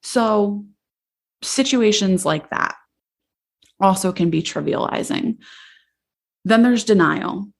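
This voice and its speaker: A woman therapist hosting a podcast, talking casually and passionately, with a voice that carries loudly. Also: medium pitch, takes it slowly, creaky, pauses often.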